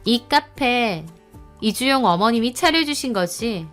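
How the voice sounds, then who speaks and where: A woman playing a brazen young woman who talks cool and pushy, with no shame at all. Her voice sits a little higher than the storyteller's own. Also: expressive, a little slow, fairly bright tone, faint music behind.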